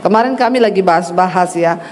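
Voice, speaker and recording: A woman's voice: on the low side, fast talker, darkish tone, slight background noise. A middle-aged woman pastor preaching a sermon, telling stories and acting out quoted voices with blunt force. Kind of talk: sermon with storytelling. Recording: echoey hall reverb.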